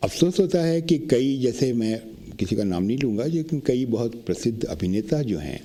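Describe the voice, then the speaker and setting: Pitched in the medium range, a man's voice has a dark, mellow tone and very wide pitch swings. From India. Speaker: physicist and poet. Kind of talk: TV interview.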